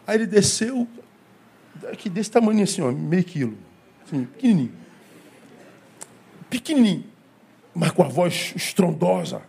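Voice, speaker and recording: A man's voice: high voice, sing-song, moderate pace, gravelly, pauses often, dark tone, husky. A man with a Brazilian Portuguese accent, a pastor preaching a sermon and telling a story with acted-out dialogue and lots of repetition. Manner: storytelling, acts out dialogue, repeats phrases.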